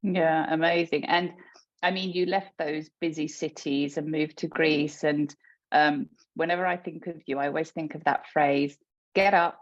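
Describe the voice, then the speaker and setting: A woman's voice: sits low, steady tone, moderate pace, no room sound, lo-fi sound. A woman hosting a podcast interview, asking chatty questions with fillers. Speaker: podcast host. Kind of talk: casual interview chat.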